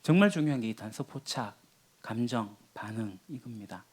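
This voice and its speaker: A man's voice: medium pitch, expressive, moderate pace, breathy edge. A man preaching a sermon as pastor, teaching in a conversational way with rhetorical questions. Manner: teaching, acts out quoted lines of everyday quarrels.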